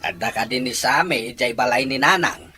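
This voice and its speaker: A man acting as a scheming husband and father in an amateur audio drama, with a husky voice. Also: medium pitch, brisk, sharp tone, soft background music, natural voice. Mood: sly, pleased.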